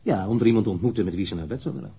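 An actor playing a blunt, candid man in his thirties, a witness answering police questions matter-of-factly in a husky voice in a radio drama. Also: fairly low pitch, very fast, mellow, full character voice. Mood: frank, blunt. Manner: matter-of-fact, precise, blunt. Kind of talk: radio drama interrogation acting.

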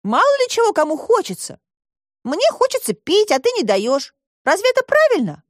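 A woman voicing a brave young girl who calls out in a high, ringing, insistent voice. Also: huge pitch swings, moderate pace, no room sound, clean studio sound, exaggerated voice. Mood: bold.

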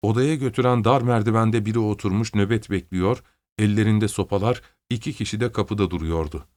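Low-voiced male audiobook narrator. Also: dry recording. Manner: measured, even storytelling.

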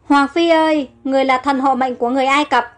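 Loyal male soldiers shouting rallying cries for their queen, as a woman narrator reads them. The voice is high, over faint music. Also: steady tone, fast, natural voice. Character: brave loyal Egyptian foot soldiers, male.

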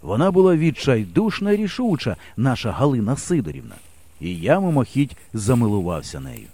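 A man reading an audiobook in an expressive first-person narration style, telling the story with animated drama. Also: mid-range voice, a little fast, no room sound. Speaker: audiobook reader.

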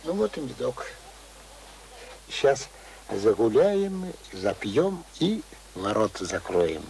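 An actor playing a cheerful, talkative, stubborn old village pensioner in a radio play, with rustic speech full of fond diminutives. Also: male voice, mid-range voice, sing-song, takes it slowly, creaky, darkish tone, a little hiss or hum, heavily acted, low-quality recording. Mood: cosy, jovial. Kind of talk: radio drama acting.

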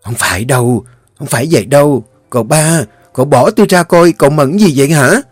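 A man's voice: mid-range voice, dry recording, soft background music, pitched above the performer's own voice, lightly acted. A man playing a fiery young wife. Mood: indignant. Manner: sharp, indignant, fast retorts. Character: spirited young wife, daughter-in-law of a rich house.

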